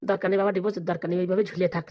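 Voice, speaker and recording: Woman doing money-hungry cartoon village dad, scolds and banters super fast. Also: on the low side, flat delivery, darkish tone, natural voice. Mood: scheming, pleased. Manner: rapid, colloquial, bantering scolding. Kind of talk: comedy cartoon dialogue.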